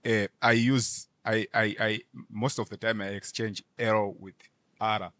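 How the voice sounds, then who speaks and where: A man who is not a native English speaker, giving brief, halting, joking remarks as an invited official. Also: lowish voice, flat delivery, fairly bright tone, no echo. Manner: halting, stammering, jokey. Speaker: director general, invited speaker.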